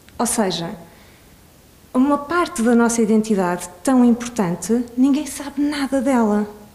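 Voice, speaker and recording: Over noticeable background noise, a woman with a fairly high voice speaks at a fairly slow pace, with ordinary pitch variation and long, frequent pauses. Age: 30s. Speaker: archaeologist. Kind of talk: casual chat.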